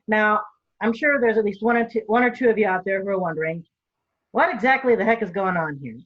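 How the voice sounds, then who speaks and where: A man's voice: high voice, brisk. A young man hosting a virtual sketch comedy show, joking about himself in a casual introduction. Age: young adult. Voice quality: jokey, self-deprecating, laughs at own jokes. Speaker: host and writer of the sketch show. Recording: somewhat dull, lo-fi sound.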